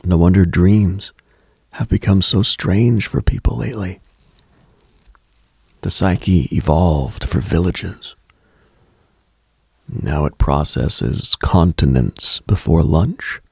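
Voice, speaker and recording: A man hosting a late-night mystical radio monologue in a hushed, husky, gravelly voice, deliberate and brooding, with pauses, close on the mic. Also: no echo. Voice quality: husky, breathy, gravelly low voice.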